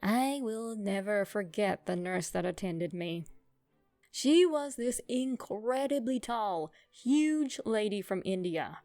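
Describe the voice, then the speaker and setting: A young woman narrating a comic childhood story in a wry, self-mocking, expressive way. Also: medium pitch, no echo.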